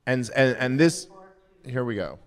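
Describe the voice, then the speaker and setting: A man's voice: mid-range voice, measured pace, in a large hall. A man co-hosting a casual commentary chat, joking and acting out quotes as he talks. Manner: joking, animated, acts out quotes. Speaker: podcast co-host.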